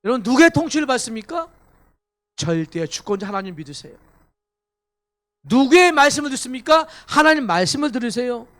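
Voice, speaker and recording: A man's voice: very high voice, animated, brisk, long pauses, fairly bright tone. A male pastor preaching a Sunday sermon, reading scripture aloud and asking the congregation questions. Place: church sanctuary.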